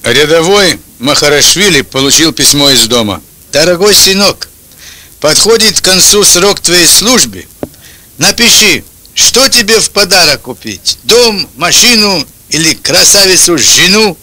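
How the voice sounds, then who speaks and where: Bright, forceful man telling jokes. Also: a little high, animated, measured pace. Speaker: joke teller. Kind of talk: telling short jokes and anecdotes. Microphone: handheld-type microphone held close, headphones on.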